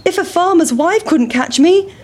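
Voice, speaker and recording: A woman voicing a cheeky runaway pancake in a high, excited, squeaky voice. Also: moderate pace. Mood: defiant.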